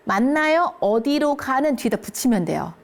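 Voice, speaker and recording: A woman with a slightly high voice leads an English lesson for seniors. She pronounces each English phrase slowly and carefully. Between phrases she checks in with her listeners in an encouraging tone. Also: expressive. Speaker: English teacher.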